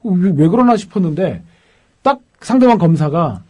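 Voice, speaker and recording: A man, a defense lawyer, telling a case story in a lively panel talk and acting out the people he quotes. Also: high-pitched, moderate pace.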